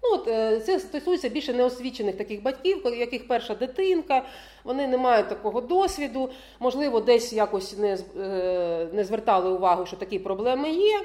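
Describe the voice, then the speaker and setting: A woman's voice: on the high side, lively intonation, a little fast, mellow. A woman giving a lecture to parents, often laughing and checking that listeners follow along. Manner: keeps checking in with the audience; laughs often while talking.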